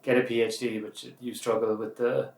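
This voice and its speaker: A man hosting an interview, friendly and quick to laugh. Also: medium pitch, little pitch movement, darkish tone, reverberant, far from the mic. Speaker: podcast host. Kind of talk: casual interview.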